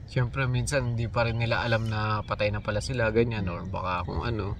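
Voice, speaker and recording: A man's voice: on the low side, fairly even intonation, a little fast, slight background noise. Man teasing and asking questions outdoors. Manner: chimes in with short questions and teasing remarks. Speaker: vlogger, co-host. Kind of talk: casual chat. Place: outdoors at sunset.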